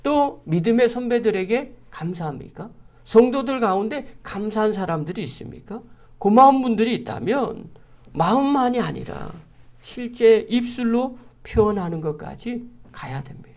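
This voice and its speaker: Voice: mid-range voice, animated, normal speed, a little mellow. A pastor giving an early-morning sermon, speaking earnestly and putting one rhetorical question after another to the congregation.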